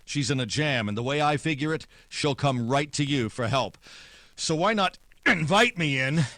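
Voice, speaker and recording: An actor playing a tough, wisecracking 1940s private detective in noir radio drama style, sardonic and clipped. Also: male voice, a little high, animated, moderate pace, bright, forceful tone, no echo. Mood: sardonic, cool.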